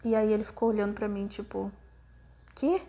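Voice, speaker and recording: A Brazilian woman hosting a podcast, telling a personal story in an intimate, reflective way with many pauses. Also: mid-range voice, completely flat delivery, dark tone. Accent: Brazilian Portuguese. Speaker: podcast host.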